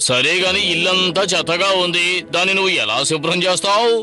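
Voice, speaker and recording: A man's voice: sits high, a little fast, close to an everyday voice. A man voicing a boastful, blustering stone-age hunter, husband and father in a dubbed cartoon. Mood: skeptical. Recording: music behind the voice.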